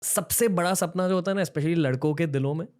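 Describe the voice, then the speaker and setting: A man's voice: fairly high pitch, a little fast, a little mellow. A young adult man hosting a podcast, asking short, casual questions and often laughing along with his guest. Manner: short prompts and frequent laughs. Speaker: podcast host.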